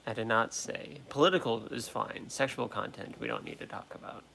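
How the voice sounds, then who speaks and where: An American man in his late twenties hosting a casual livestream chat, talking in a halting, repetitive way that often interrupts itself. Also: medium pitch, vocal fry, fairly bright tone, a little hiss or hum, poor audio. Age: late 20s. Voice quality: trouble pronouncing R sounds. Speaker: livestream host. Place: at home.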